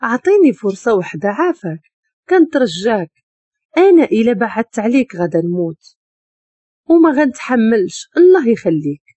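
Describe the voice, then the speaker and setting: A woman's voice: a little high, sing-song, moderate pace, dark tone, slightly rough, no room sound. A woman with a Moroccan accent voicing a heartbroken young wife, pleading and tearful.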